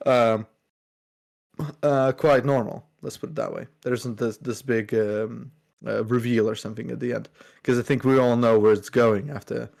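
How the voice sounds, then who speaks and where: A man co-hosting a podcast, giving a thoughtful, measured review of a story with casual fillers. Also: mid-range voice, gravelly, a little mellow. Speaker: podcast co-host. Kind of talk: casual book discussion.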